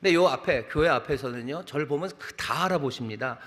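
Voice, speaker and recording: A man's voice: fairly high pitch, fast talker, a bit bright. A middle-aged man, a senior pastor, preaching a sermon in a conversational style, with rhythmic repeated phrases and rhetorical questions. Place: large church sanctuary. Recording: long reverb of a large hall.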